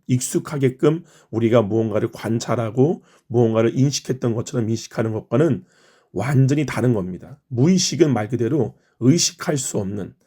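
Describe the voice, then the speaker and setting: A middle-aged male pastor from Chungcheong leads a morning devotional. He prays and then explains his teaching in an earnest, careful way. His voice is mellow and relaxed, set at an ordinary male pitch. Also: slightly rough. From Chungcheong, Korea. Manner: earnest, explanatory preaching with prayerful phrasing. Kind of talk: morning devotional prayer and sermon.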